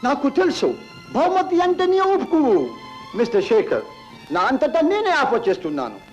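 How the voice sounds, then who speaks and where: A generous, fatherly estate owner in an old film, speaking formally and slipping into English now and then. His high voice rises and falls a great deal as he speaks. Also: huge pitch swings, moderate pace, lo-fi sound, soft background music, exaggerated voice. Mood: warm. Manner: mixes English phrases into speech, formal. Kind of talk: 1960s film drama dialogue.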